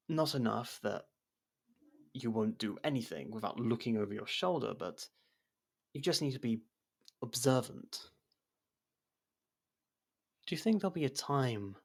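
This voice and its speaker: A man playing an abrasive but protective murderer turned investigation partner in an intimate ASMR audio drama, speaking in a halting, guarded way. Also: mid-range voice, vocal fry. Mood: cautioning, earnest.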